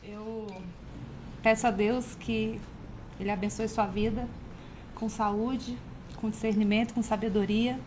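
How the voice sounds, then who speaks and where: A woman speaks an earnest, prayerful blessing, her voice pitched a little high. Steady background noise fills the room around her. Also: measured pace, long pauses, low-quality recording. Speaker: wife of the guest of honor. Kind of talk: spoken blessing.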